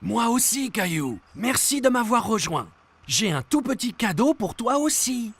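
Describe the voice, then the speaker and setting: A kindly cartoon man, with a husky edge and very lively intonation. He speaks gently and encouragingly, as to a small child. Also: medium pitch, a little slow, no echo, exaggerated voice. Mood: cheerful, kind.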